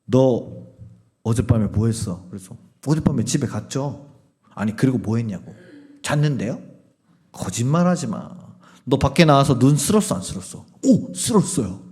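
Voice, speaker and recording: A man's voice: medium pitch, big pitch swings, moderate pace, a little mellow. A man preaching a revival sermon as a pastor, telling a story and acting out its dialogue in several voices.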